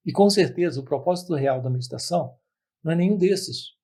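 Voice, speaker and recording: A man giving a spiritual talk to his channel's viewers, speaking in measured phrases with repetitions and pauses. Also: on the high side, warm tone, husky. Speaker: spiritual teacher.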